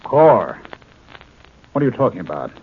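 An actor playing a protective, indignant captive Earth scientist, questioning urgently in a 1950s radio drama. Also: male voice, lowish voice, sing-song, normal speed. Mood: incredulous, demanding. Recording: tinny, noisy 1950s radio recording.

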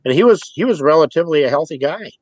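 A man's voice: on the high side, lively intonation, quick pace, darkish tone, no echo, low-quality recording. A man in his sixties being interviewed, talking in a rambling, folksy way and chuckling between points. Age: 60s. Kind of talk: casual spoken interview.

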